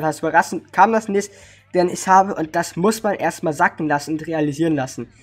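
A hoarse man giving a casual update to viewers as a streamer, excited and overwhelmed, repeating words for emphasis. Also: high-pitched. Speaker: streamer and gaming video creator.

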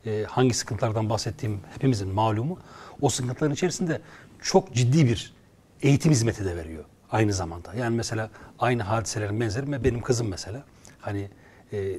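A man appearing as a guest screenwriter in a studio talk, explaining earnestly and often pausing to search for words. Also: on the low side, a little mellow, slight background noise. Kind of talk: casual studio conversation.

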